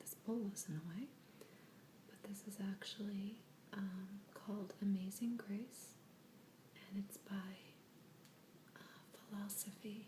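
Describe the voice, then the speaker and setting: A soft-spoken woman talks at a medium pitch in a relaxed, monotone, flat delivery, very slowly and with long, frequent pauses. Her loudness swings widely, and background noise is noticeable. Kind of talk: casual talk to camera. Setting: close-mic ASMR recording with water sounds. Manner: soft-spoken, slow, relaxed.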